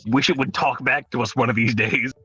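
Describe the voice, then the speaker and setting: A man's voice: medium pitch, steady tone, a little fast, sharp tone, slightly rough, no room sound. A man playing a tabletop role-playing game, bantering casually in and out of character with a playfully theatrical manner. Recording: dull lo-fi audio with background music.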